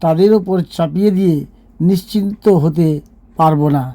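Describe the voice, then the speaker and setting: A man acts out a fair-minded storybook king in a cartoon. His voice sits quite high for a male, yet it is soft and warm. He reasons things through with measured, thoughtful care. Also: lightly acted. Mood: thoughtful, resolved.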